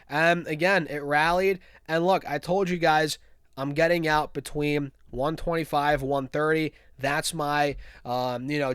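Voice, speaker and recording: A man's voice: fairly high pitch, fairly bright tone, smooth, no room sound, clean studio sound. A young man hosting an investing channel, talking casually to his viewers about his trades while stuffy from a cold. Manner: chatty, says "guys" often, quick restarts. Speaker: stock market channel host. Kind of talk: casual investing talk to camera.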